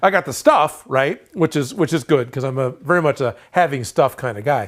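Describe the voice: A man uses a put-on character voice, raspy and hoarse, at a fairly high pitch. He talks at a fairly quick pace.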